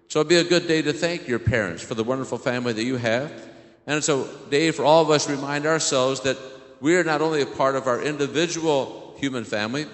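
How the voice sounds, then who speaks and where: An American man speaks as a priest addressing children in a church homily, in simple, plainly worded phrases. His mid-pitched voice rings through a large space with long reverb. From southern Illinois, United States. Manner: simple questions to children, repeats their answers.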